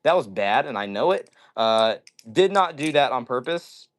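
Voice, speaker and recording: Clear-voiced man hosting a casual livestream. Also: medium pitch, expressive, moderate pace. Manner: upbeat slangy greetings, says "dude" and "yo" often. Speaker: live stream host. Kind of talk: casual chat reading viewer messages.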